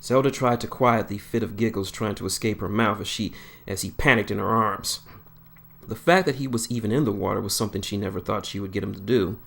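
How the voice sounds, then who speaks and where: A man reading his own fan fiction aloud, unhurried and plain, with small slips. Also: fairly low pitch, creaky, fairly bright tone.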